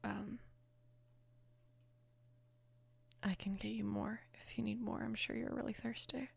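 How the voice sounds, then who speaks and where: A woman voicing a young mafia boss's daughter, gentle, protective and flustered, in a soft, hesitant near-whisper for an ASMR romance roleplay. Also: mid-range voice, level tone, a little fast, vocal fry, slightly rough. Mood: soft, awkward.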